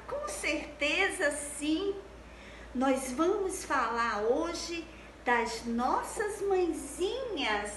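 A woman's voice: sits high, a bit bright. A Brazilian woman in her thirties teaching little children in a cheerful, exaggerated sing-song manner, recorded on a headset in a small room. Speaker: children's religious education teacher. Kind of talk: children's lesson addressed to little kids. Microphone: headset microphone. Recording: roomy echo, faint background noise.

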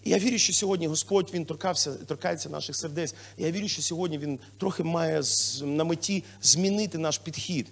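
A man preaching a sermon as pastor, moving between quiet asides and loud excited calls, with casual fillers and restarts. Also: a little high, a little fast, vocal fry, few pauses. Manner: lively preaching, swinging from soft to loud exclamations; talks informally with fillers and restarts. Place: church hall.

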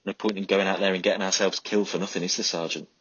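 Quiet steady young soldier, man voicing him, low husky voice, dry sound. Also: fairly quick, no echo. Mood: quietly defiant. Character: steady loyal young soldier, calm and defiant. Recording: slightly dull lo-fi recording.

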